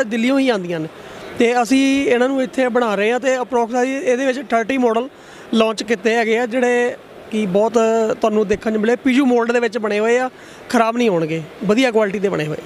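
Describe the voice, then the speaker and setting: A middle-aged man with a Punjabi accent, his voice pitched unusually high for a man. He answers in plain, halting phrases full of fillers. Faint background noise from an expo hall sits under the voice. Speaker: company owner interviewed. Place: busy indoor expo stand. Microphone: reporter's handheld mic.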